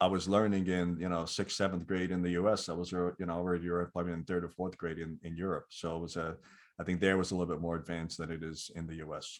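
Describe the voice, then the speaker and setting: Very fast, monotone, flat delivery from a man with a Hungarian accent and a very deep, low pitch, on a very clean recording with a silent background. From Hungary, then New York area from age 12. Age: 60s. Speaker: leadership coach. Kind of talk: interview.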